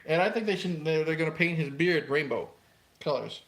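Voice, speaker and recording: Teasing man with a higher voice. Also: lively intonation, a little fast, a bit bright. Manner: teasing, laughing banter. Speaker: livestream co-host. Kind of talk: casual livestream chat.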